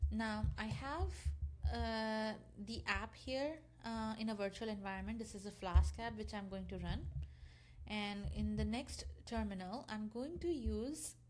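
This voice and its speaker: Woman, fairly high voice, informal tutorial presenter, explanatory walkthrough delivery, loosely scripted. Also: a little mellow, a little hiss or hum. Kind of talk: casual screencast tutorial walkthrough.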